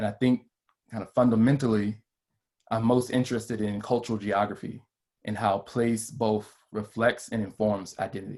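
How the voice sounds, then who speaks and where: With a Virginia accent, a man talks at a moderate pace and medium pitch. His intonation is monotone and flat. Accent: Virginia Southern US. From US South, rural South Central Virginia (Farmville). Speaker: public historian, panelist. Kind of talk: panel discussion, prepared remarks. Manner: hesitant with many fillers.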